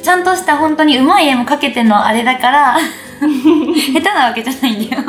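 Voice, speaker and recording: A woman's voice: high-pitched, fairly quick, reverberant, soft background music. A woman co-hosting a casual talk show, laughing often as she reads out listener letters. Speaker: podcast co-host. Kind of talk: casual chat.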